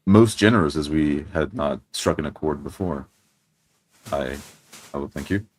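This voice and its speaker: A man playing a formal, solemn adventurer with noble manners in a tabletop roleplaying game, speaking deliberately and haltingly. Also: extremely low pitch. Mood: polite, earnest.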